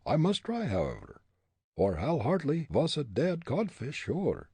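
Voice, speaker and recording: A man's voice: a little high, huge pitch swings, a little slow, warm tone, husky, dry recording, pitched above the performer's own voice, exaggerated voice. A man voicing a bumbling young male detective with a thick mock German-Dutch dialect in a storybook reading. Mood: comic grumbling.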